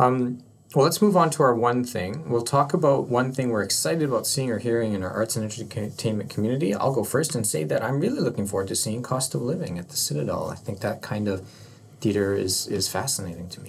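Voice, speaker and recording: Over noticeable background noise, a man with a Canadian accent talks at a very fast pace with lively intonation and medium pitch. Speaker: podcast host. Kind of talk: casual chat.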